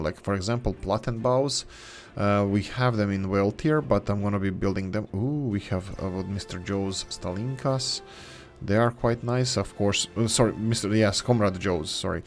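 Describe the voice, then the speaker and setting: Low-voiced man narrating his city builder. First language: not English. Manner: rambling, self-correcting, thinking aloud while building. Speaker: gaming channel host. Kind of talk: casual let's-play commentary.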